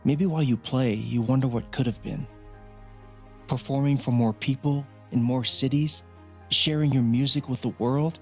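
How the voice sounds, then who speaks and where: An actor playing a calm, encouraging older brother in a video game drama, speaking gently and reassuringly. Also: male voice, mid-range voice, faint music behind, lightly acted. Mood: tender, reflective. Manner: slow, tender, reassuring.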